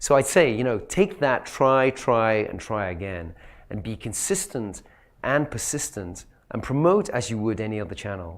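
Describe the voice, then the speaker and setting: On a very clean recording with a silent background, a man with a Scottish accent speaks at a moderate pace in a medium pitch, his intonation lively and his loudness swinging widely. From Scotland, Edinburgh. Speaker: conference speaker, tech consultant. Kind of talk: conference presentation. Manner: hesitant, many fillers.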